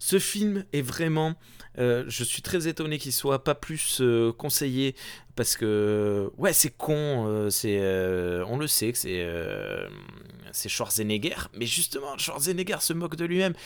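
Speaking at a very slow pace, a man with a medium pitch makes very wide pitch swings in a very clean recording with a silent background. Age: 20s. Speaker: podcast host, film reviewer. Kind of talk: solo casual review podcast. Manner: halting, many fillers and repetitions.

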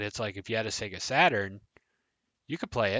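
Here a man has a plain, everyday voice. He moves at a fairly quick pace with ordinary pitch variation. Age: 30s. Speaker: podcast co-host. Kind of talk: casual chat.

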